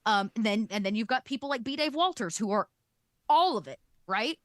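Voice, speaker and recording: A woman's voice: fairly high pitch, lively intonation, brisk, no echo, clean studio sound. A woman speaking casually as an interview guest, informal and often voicing imagined remarks as she explains her work. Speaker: guest, game master and content production manager.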